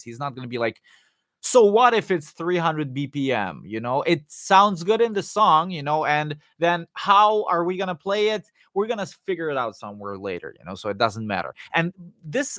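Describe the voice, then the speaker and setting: A man hosting a live Q&A, answering viewer questions in a loose, rambling way with fillers and restarts, his voice going hoarse. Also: a little high, fairly bright tone, dry recording, clean studio sound. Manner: rambling, many fillers and restarts, jokey asides. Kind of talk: casual live-stream Q&A, reading and answering chat questions.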